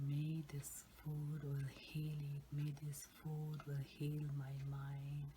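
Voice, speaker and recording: Woman, whispered ASMR, breathy unvoiced whisper, unhurried, flat, mellow tone, faint hiss behind. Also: low-pitched. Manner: soft, slow, unvoiced whispering close to the mic. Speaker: ASMR channel host.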